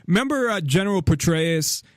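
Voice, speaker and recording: A man's voice: sits high, lively intonation, a little fast, dry recording, studio quality. A man arguing politics bluntly in a heated discussion, swearing freely and often cutting in with his own points. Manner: blunt, profane, interrupts often. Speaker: podcast host.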